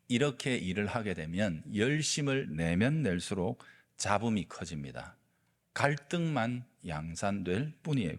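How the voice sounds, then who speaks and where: A male pastor preaching a sermon, telling a story with lively delivery and acting out the quoted lines. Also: fairly low pitch. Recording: long reverb of a large hall.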